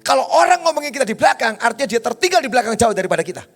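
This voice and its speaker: A man's voice: extremely high pitch, sing-song, rapid-fire, a bit bright. A male pastor from Makassar preaching a sermon in a blunt, emphatic way, often calling out to the congregation. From Makassar, Indonesia.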